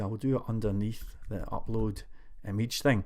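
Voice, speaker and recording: This man speaks at a moderate pace. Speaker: programming tutor. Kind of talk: coding tutorial. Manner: casual, hesitant with fillers.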